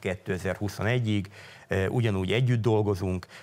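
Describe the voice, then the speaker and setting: A man's fairly low pitch, ordinary pitch variation and very slow pace. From Hungary. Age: 50s. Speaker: politician; interviewee, former lawyer, politician. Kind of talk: interview. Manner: halting, with many fillers. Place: studio. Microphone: lapel.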